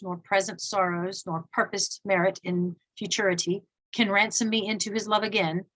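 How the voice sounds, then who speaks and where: A woman reading the part of a courteous, disgraced young gentleman officer, formal and earnest in Shakespearean verse. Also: medium pitch, close to an everyday voice, poor audio.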